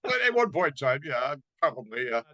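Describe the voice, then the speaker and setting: A man from New York co-hosting a car podcast, relaxed, with brief remarks and anecdotes. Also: medium pitch, fairly quick, dull audio. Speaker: podcast co-host. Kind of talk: casual chat.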